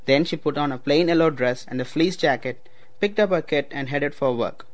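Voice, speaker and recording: A man's voice: on the high side, moderate pace. A young adult man from Tamil Nadu with a South Indian accent and Tamil as his first language, speaking in an explanatory way. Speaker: student speaker. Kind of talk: read passage, then unscripted personal account.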